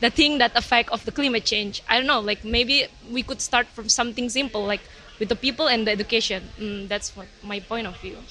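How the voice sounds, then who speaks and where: A woman with fairly high pitch talks at a fairly quick pace, her intonation fairly even but her loudness swinging widely. Noticeable background noise is present. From Indonesia. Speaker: roundtable participant. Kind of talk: roundtable discussion. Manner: halting.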